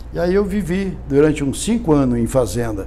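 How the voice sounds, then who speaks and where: A man speaks at a moderate pace, and the room gives audible echo. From interior of São Paulo state and Paraná, Brazil. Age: 70s. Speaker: film actor. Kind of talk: interview, personal storytelling.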